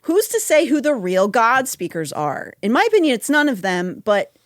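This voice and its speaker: A woman's voice: a little high, sing-song, normal speed, no echo, studio quality. A woman hosting a podcast, talking in a wry, chatty way with asides and laughs. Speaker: podcast host. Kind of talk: casual conversational podcast.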